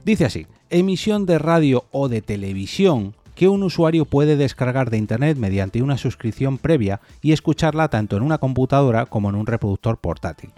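Dark-voiced man hosting a solo podcast. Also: mid-range voice, expressive, a little fast, no echo. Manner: reads definitions aloud, then talks it through informally. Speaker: podcast host.

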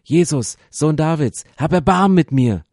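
A man playing a blind male beggar who cries out loudly and desperately for mercy. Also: mid-range voice, big pitch swings, measured pace, no room sound, clean studio sound, pitched above the performer's own voice. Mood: desperate pleading. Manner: loud pleading cries.

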